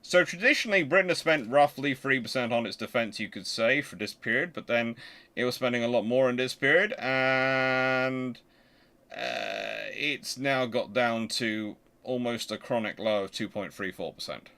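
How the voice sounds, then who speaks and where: A man hosting a history channel, explaining informally and thinking aloud in a halting, conversational way. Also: medium pitch, bright, forceful tone. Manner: conversational, halting, muttering to himself while working.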